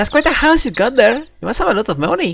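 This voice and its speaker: This put-on character voice is husky and fairly high-pitched, racing along at a very fast pace with very wide pitch swings. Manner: raspy, gravelly.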